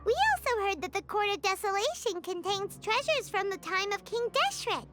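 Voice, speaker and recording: A woman's voice: extremely high pitch, expressive, normal speed, over music. A woman voicing a tiny, bubbly female fairy companion in a video game, who talks about herself in the third person. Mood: chirpy.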